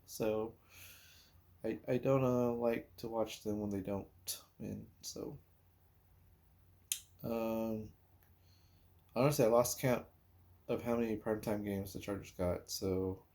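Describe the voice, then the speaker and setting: A man hosting a casual sports talk podcast, thinking aloud in a rambling, hesitant way with pauses as he recalls things. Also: lowish voice, fairly even intonation, mellow. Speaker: podcast host.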